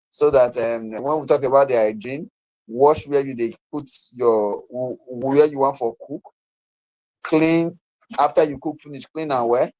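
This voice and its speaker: A man's voice: medium pitch, low-quality recording. A male doctor with a Nigerian accent gives health advice as a guest. He blends Nigerian Pidgin with English. His manner is instructive and conversational, with polite urging.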